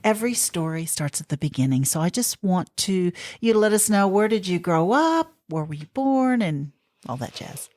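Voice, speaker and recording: A woman's voice: on the low side, very animated, normal speed, darkish tone. A woman hosting an interview podcast, introducing her guest and asking upbeat questions. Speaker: podcast host.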